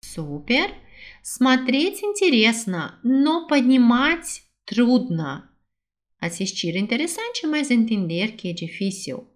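Slow, lilting woman teacher. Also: fairly high pitch, big pitch swings. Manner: repeats phrases slowly, switching between two languages. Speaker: language teacher. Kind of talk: recorded language lesson.

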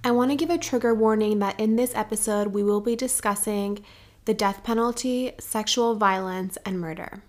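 A woman's voice: medium pitch, normal speed, slight background noise. Earnest young woman hosting. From United States. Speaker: podcast host. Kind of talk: scripted podcast commentary.

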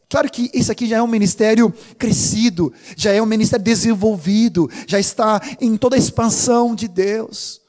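A man, preaching a sermon as pastor, animated and teasing, with informal asides. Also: high voice.

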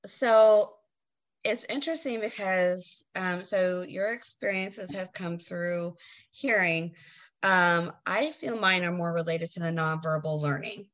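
A woman from Texas, co-hosting a podcast, friendly and halting with lots of um and uh pauses. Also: fairly low pitch, fairly bright tone, rough recording. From Southern US, Texas. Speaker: podcast co-host and author. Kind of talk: casual podcast chat.

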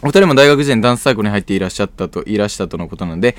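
A young man co-hosting a casual radio-style podcast, animated and quick in his storytelling. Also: fairly low pitch, no room sound. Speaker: podcast co-host.

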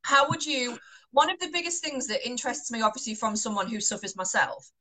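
A woman's voice: fairly high pitch, sing-song, quick pace, pushed and bright, rough recording. A young woman interviewing a trainer in a casual chat, asking long, self-correcting questions.

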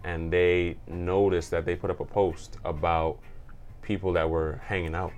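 A man from Jamaica, a community organizer, chatting as an interview guest in an upbeat way, full of shout-outs and laughs. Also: sits low, little pitch movement, measured pace. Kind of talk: casual interview chat.

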